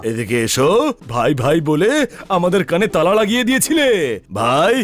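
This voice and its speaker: Pompous cartoon doctor, swooping delivery. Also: male voice, fairly high pitch, sing-song, normal speed. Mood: exasperated. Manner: pompous, theatrical. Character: pompous heavyset male cartoon doctor, flowery and threatening. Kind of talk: dubbed children's cartoon acting.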